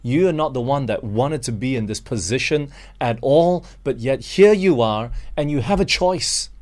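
A man's voice: mid-range voice, expressive, normal speed, a little mellow. A Malaysian man preaching a sermon, earnest and direct, calling his listeners friends and asking them rhetorical questions.

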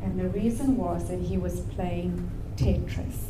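A woman co-presenting a Christian talk, explaining points in a measured way and reading a Bible verse aloud. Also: lowish voice, steady tone, background noise. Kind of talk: teaching with scripture reading. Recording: echoey room.

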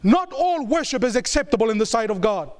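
High-voiced preacher from New Zealand. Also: male voice, sing-song, fairly quick. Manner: call-and-response, asking the congregation to answer; emphatic, repeats key phrases. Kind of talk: sermon.

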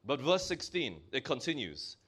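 A man's voice: mid-range voice, big pitch swings, normal speed, fairly bright tone, breathy edge. A male preacher with a Malaysian accent, delivering a sermon and asking his congregation questions as he stresses key words.

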